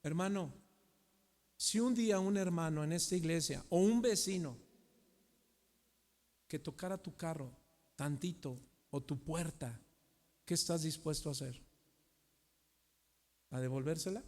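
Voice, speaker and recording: A middle-aged man with a Mexican accent preaches a sermon in a church hall. His voice sits high and rings out with long reverb, and he keeps turning to the congregation with rhetorical questions, swinging from loud to hushed. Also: unhurried, long pauses. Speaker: pastor.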